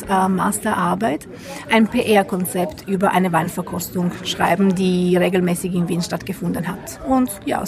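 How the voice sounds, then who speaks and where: A woman from Italy with an Italian accent, speaking German as a podcast guest in a casual chat, hesitant with many fillers. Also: medium pitch. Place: outdoor wine tavern with other guests around. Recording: clear crowd noise behind. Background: crowd chatter.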